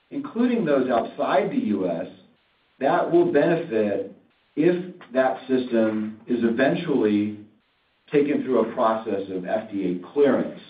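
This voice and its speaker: A man working as a company executive, reading a scripted earnings presentation in a formal, measured way. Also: fairly low pitch. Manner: formal, measured read-out delivery. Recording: roomy, distant, tinny phone-line sound.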